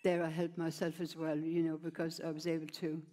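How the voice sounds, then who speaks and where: A woman's voice: deep voice, completely flat delivery, a little fast, dark tone. An older woman talking on a stage through a headset mic. She tells her story plainly and rambles a little, with lots of "you know" as she goes. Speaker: interview guest. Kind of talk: onstage conversation, personal story. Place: stage at a large gala, indoors.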